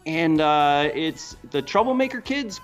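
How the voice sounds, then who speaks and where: A man's voice: fairly high pitch, lively intonation, a little slow, dull audio, soft background music. A man in his forties, a guest who teaches kids drones, talking emphatically with many fillers. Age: 40s. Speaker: guest, youth drone instructor. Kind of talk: casual chat.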